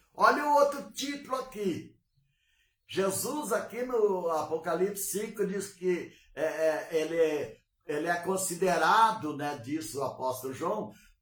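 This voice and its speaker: Very slow speech from a man with a high pitch, very wide pitch swings and audible room echo. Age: 60s. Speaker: pastor. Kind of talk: sermon. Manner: animated.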